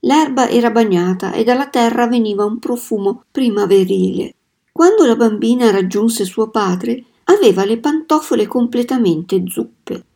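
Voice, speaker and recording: A woman reading a children's novel aloud in a measured, expressive storytelling manner. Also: on the high side. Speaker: storybook reader.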